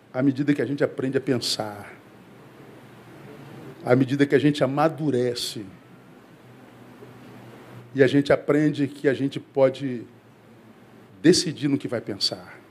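A man's voice: slow, long pauses, breathy edge. A man from Brazil, a pastor giving a conversational sermon to his congregation, calling them brother and acting out quoted voices. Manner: acts out quoted voices, rising to high excited emphasis.

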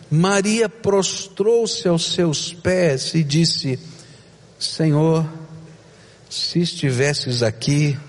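A male pastor preaching a sermon, with dramatic swings between loud emphasis and hushed, slow moments. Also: high voice, big-room sound.

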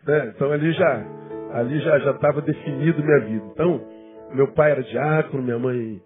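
A fifty-year-old Brazilian pastor with a Rio de Janeiro accent, preaching conversationally to a congregation and repeating words for emphasis. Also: male voice, medium pitch, fairly quick. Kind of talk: sermon, conversational teaching to a congregation. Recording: thin phone-like sound, guitar music behind.

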